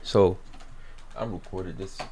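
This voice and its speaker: A man's voice: low voice, steady tone, takes it slowly, creaky, mellow, slightly rough. A man hosting a gaming video with casual let's-play commentary.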